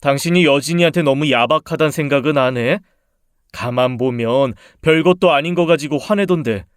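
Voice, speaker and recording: A man's voice: fairly high pitch, moderate pace, smooth, no echo, studio quality, natural voice. A man voicing a resentful, tipsy husband in a dramatized radio story, speaking in a reproachful, accusing way.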